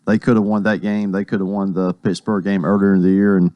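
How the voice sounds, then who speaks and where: A friendly man chats on local radio in a slightly hoarse, fairly low voice. The sound is dry and close. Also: level tone, fast, no room sound, highs cut off. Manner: friendly, chatty, chuckles. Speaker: town mayor guest. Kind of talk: radio interview.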